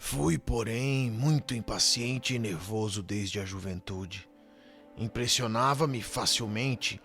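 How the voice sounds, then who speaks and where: A man's voice: fairly low pitch, a bit bright. An actor playing an impatient, pretentious, devout man in an audio drama, with formal, declamatory speech. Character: impatient, pretentious dead Portuguese man, devout and self-pitying. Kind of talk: scripted audio drama acting. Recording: music behind. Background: music.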